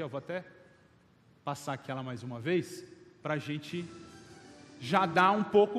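A high-pitched Brazilian man in his late thirties, playful and chatty, jokes his way through a motivational talk. He speaks from a stage in a large hall, and his voice echoes with a long reverb. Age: late 30s. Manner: joking, chatty, playful asides to the audience.

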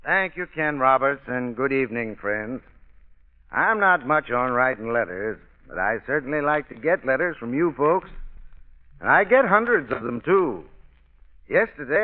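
A man giving a scripted old radio advertisement as an expert spokesman, in a folksy, plainspoken manner. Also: fairly high pitch. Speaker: sponsor's heating expert spokesman. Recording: tinny, narrow-band vintage radio.

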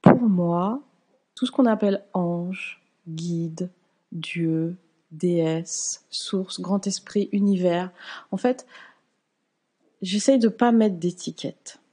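Slow, husky-voiced woman explaining softly. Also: fairly low pitch. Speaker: spiritual channel and author. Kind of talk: explanatory talk to camera.

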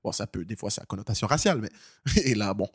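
A man's voice: on the low side, slightly rough, no room sound, clean studio sound. A young man in his twenties with a Québécois accent, co-hosting a casual podcast and telling stories with lots of restarts. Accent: Québécois French. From Quebec. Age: 20s. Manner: animated storyteller, fast with many restarts. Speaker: podcast co-host.

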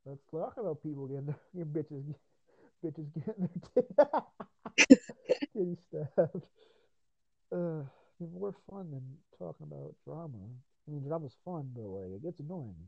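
A man's voice: a little high, animated, normal speed, gravelly, no echo. A man hosting a podcast in casual chat, swearing, rambling and laughing often, his voice tired after hours of talking. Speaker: podcast host. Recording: tinny phone-like line.

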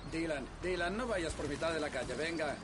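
An actor in his fifties dubbing a kind, gruff working man, steady and protective in his reassurance. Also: fairly high pitch, fairly quick, noisy background, natural voice. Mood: urging. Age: 50s. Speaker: unemployed carpenter in a film.

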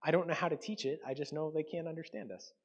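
A man's voice: a little high, quick pace, dull audio. A man from Canada preaching a conversational sermon to his congregation, with frequent ums and self-corrections. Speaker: pastor.

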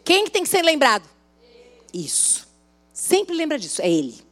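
A woman's voice: sits high, wildly swooping pitch, normal speed, a bit bright. A woman pastor preaching at a women's church service, telling a story in a chatty way and asking the congregation questions. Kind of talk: sermon.

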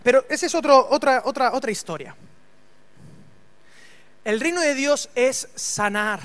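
A man delivers a lively storytelling sermon. His voice sits very high and sounds bright and forceful. He jokes and acts out the scenes as he goes. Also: measured pace. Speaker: preacher.

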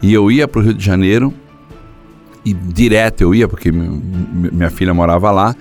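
A man's voice: low-pitched, normal speed, a little mellow, soft background music. An older man preaching a sermon, telling stories and acting out dialogues in different voices. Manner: storytelling, acts out dialogues in shifting voices. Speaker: pastor.

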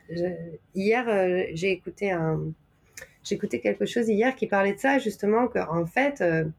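A woman's voice: medium pitch, a little mellow. A woman from Normandy with a French accent, talking reflectively as a podcast guest, searching for her words and stressing key ones. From Normandy, France. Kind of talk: reflective conversational interview.

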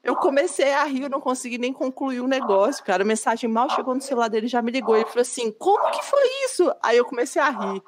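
A woman's voice: a little high, fast, hardly any pauses, background noise. A woman in her thirties co-hosting a casual podcast, telling a prank story and laughing as she goes. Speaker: podcast co-host.

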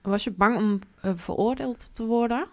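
A woman's voice: on the high side, normal speed, a little mellow. A woman asking short, conversational questions as an interviewer.

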